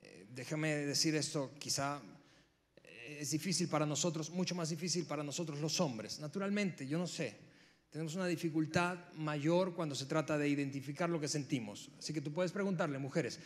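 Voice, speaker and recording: A man with a Mexican accent preaching a sermon, emphatic, repeating key words and speaking straight to the listener. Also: a little high. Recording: long hall reverb.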